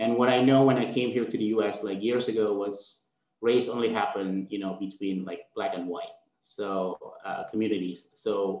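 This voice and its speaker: Speaking in an Indonesian accent, a man with a fairly low pitch keeps a fairly even intonation at a moderate pace. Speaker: graduate student presenter. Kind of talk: workshop presentation. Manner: halting with many fillers.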